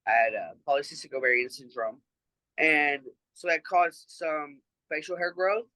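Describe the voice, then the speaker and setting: A man's voice: fairly high pitch, normal speed, sharp tone, no room sound, low-quality recording. A trans man speaking earnestly and reflectively as an interview guest, with frequent fillers. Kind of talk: casual conversational interview.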